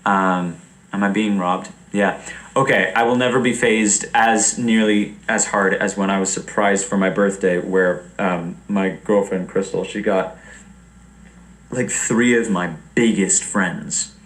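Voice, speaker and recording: A young man chatting casually on a livestream, rambling and animated, laughing often. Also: low-pitched, measured pace, reverberant, low-quality recording. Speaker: streamer.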